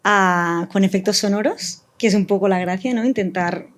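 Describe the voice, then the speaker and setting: A woman's voice: medium pitch, moderate pace. A woman talking casually as a guest writer on a live panel. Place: live event venue with audience.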